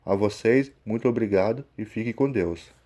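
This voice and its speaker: A man's voice: lowish voice, moderate pace, dark tone. A Brazilian man with a plain, unpolished delivery, speaking as a channel host and story narrator. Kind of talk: scripted narration. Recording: music behind the voice. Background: prominent music.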